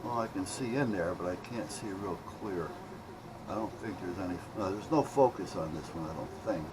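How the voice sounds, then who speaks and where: A man's voice: low-pitched, moderate pace, noisy background. A middle-aged or older man rambling casually and thinking aloud as he films an unscripted repair video. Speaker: electronics repair hobbyist showing his work.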